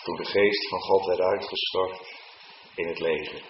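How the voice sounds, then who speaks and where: Deep slow dutch-style pastor guy preaching, booming echoey church, kinda muffled. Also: fairly even intonation, noisy background. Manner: rises to loud, high, drawn-out preaching at climaxes. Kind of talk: sermon.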